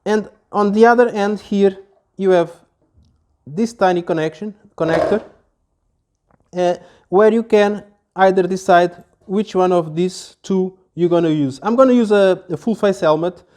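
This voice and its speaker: A man. He explains things step by step as a product reviewer, casual and somewhat halting in his delivery. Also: high voice, a little mellow. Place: small office, indoors.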